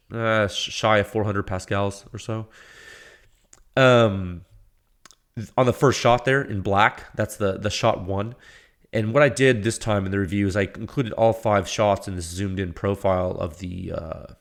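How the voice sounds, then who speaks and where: A man hosting a technical podcast, congested from a cold, explaining measurements in a halting way with many restarts. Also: fairly low pitch, creaky. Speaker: podcast host. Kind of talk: technical talk.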